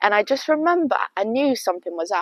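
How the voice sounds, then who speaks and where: In an English accent, a woman talks at a moderate pace with lively intonation, recorded with a dry, close sound and no echo. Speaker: YouTuber. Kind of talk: storytime. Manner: casual, hesitant with fillers.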